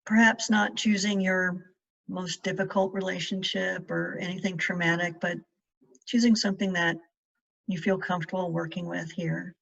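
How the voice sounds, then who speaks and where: A woman leading a guided meditation in a measured way, leaving long pauses between short phrases. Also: fairly low pitch, level tone, creaky, fairly bright tone. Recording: distant mic, dull muffled sound.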